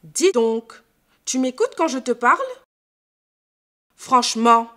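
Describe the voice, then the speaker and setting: A woman's voice: on the high side, lively intonation, takes it slowly, pushed and bright, heavily acted. A woman voicing an exasperated adult scolding a child about homework, in a reproachful, emphatic way.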